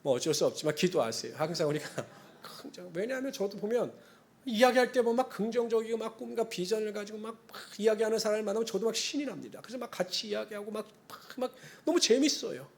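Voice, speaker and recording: A man with a rather high voice preaches a Sunday sermon as pastor. He moves between earnest, formal blessing phrases and relaxed, conversational asides to the congregation. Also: fast talker, gravelly. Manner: conversational asides and acted-out quotes.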